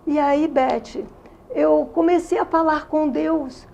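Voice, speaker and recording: Brief: Carioca woman, 60s, high but dark, gravelly tone, emotional testimony. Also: fairly even intonation, takes it slowly, dull audio. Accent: Carioca Brazilian Portuguese. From Rio de Janeiro, Brazil. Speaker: interview guest giving a testimony. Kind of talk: religious testimony in conversation.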